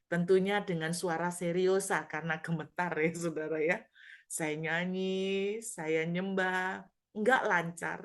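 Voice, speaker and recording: A middle-aged woman pastor preaching a sermon, telling a personal story with animated delivery and acted-out quoted voices. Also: lowish voice, slow.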